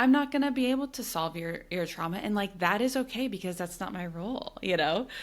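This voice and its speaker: A woman with a normal speaking voice talks fairly quickly in an American accent, with hardly any pauses. Her pitch is medium and her intonation lively. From Texas. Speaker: podcast host. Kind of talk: casual chat.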